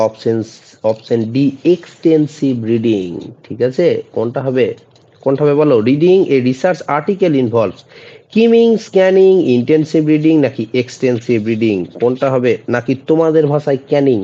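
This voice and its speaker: A male teacher from West Bengal running a live online exam-prep class, reading quiz questions slowly and teasing students by name. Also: fairly high pitch, dark tone, highs cut off. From West Bengal, India. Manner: reads English quiz questions slowly, then quizzes quickly in Bengali.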